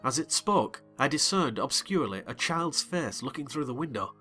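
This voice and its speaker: Guy narrating an audiobook, bright punchy voice, really theatrical, soft music behind. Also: mid-range voice, normal speed. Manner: theatrical, rising to excited shouts in dialogue. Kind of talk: dramatized audiobook reading.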